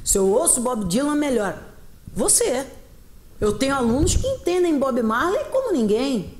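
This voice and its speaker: Her voice sits high and moves at a moderate pace in a roomy space with a little hiss or hum. She is a middle-aged English teacher from Rio de Janeiro with a Carioca Brazilian Portuguese accent, a guest in an animated interview who acts out dialogue expressively and laughs a lot.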